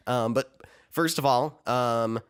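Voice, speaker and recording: A man's voice: mid-range voice, slow, clear, resonant tone. A man hosting a book-and-film podcast, a little sick and nasal, chatting casually with plenty of fillers from a living room. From United States. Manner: chatty, self-deprecating, many fillers. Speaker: podcast host. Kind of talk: casual chat. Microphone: new podcast microphone.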